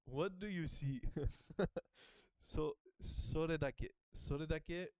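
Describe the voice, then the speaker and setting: During a think-aloud study session, a male language learner who grew up speaking German hesitates and repeats words while working through them, punctuated by gentle, self-conscious laughter. His smooth voice is a little high. The recording is dry, slightly muffled, with no room sound.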